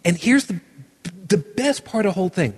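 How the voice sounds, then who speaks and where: A man hosting a casual podcast chat, talking with animated enthusiasm and frequent restarts. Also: high voice, a little fast, breathy edge, big-room sound. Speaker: podcast host.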